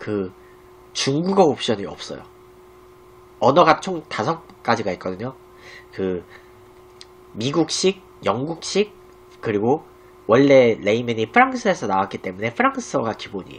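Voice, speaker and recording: Speaking at a fairly slow pace with long, frequent pauses, a man makes very wide pitch swings and big swings in loudness. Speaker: live streamer. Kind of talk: casual live stream chat. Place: home room. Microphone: earbuds.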